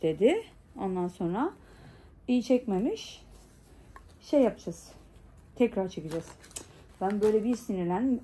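A young woman vlogger tells her viewers about a quarrel, indignant and full of quoted dialogue with constant asides. Her voice sits a little high, but the tone is dark and mellow. She is pregnant and talks in a casual storytelling way.

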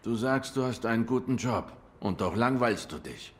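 An actor playing a cool, laconic black cat private detective in a noir video game, terse and dry. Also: male voice, medium pitch, expressive, normal speed, close to an everyday voice.

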